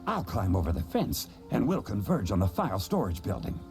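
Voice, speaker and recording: An actor playing a bold, cocky crocodile detective boss in a theatrical hardboiled cartoon audio drama. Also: male voice, on the low side, sing-song, brisk, creaky. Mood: scheming. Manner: theatrical, swaggering. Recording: loud music behind the voice. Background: music.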